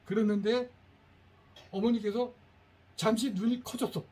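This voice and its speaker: A middle-aged man, a teacher, giving a lively workshop to parents and coaxing the audience to repeat phrases after him. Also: sits high, a little slow, slight background noise.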